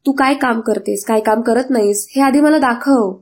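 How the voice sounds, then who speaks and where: A woman voicing a defiant, sharp-tongued young daughter-in-law who talks back indignantly. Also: a little high, normal speed, close to an everyday voice. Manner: indignant, challenging.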